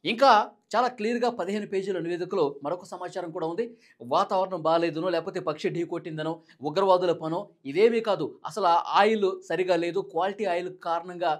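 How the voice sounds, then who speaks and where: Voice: mid-range voice, a little fast. A Telugu news presenter giving explanatory commentary in a dramatic, emphatic manner, repeating key points.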